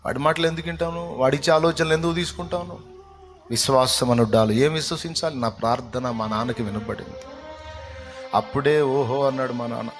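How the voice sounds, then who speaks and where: A man preaching a sermon emphatically, swinging between loud cries and hushed intensity. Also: medium pitch.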